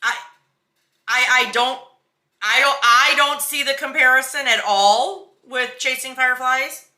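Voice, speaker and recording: Woman, very bright forceful voice, emphatic and sassy, casual beauty reviewer, roomy echo. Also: sits high, a little slow. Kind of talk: casual chatty product review.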